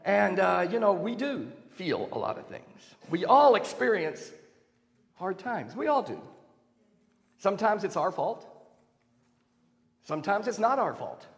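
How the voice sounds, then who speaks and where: A male pastor preaching in a loose, conversational way, with self-deprecating asides. His voice sits high for a man. It rings out with a long reverb in a church sanctuary. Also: big pitch swings, measured pace, long pauses. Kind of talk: sermon.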